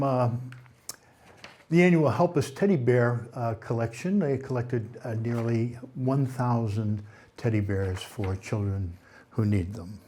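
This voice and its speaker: A male news anchor with a soft, dark voice at an ordinary pitch. He presents local items in a newsreading style, now and then halting over a phrase.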